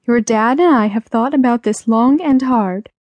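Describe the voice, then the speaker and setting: Woman playing a worried, earnest mother, higher-pitched. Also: moderate pace, dry recording, dull audio, natural voice. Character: worried middle-aged mother, gentle but firm. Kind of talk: audiobook character dialogue.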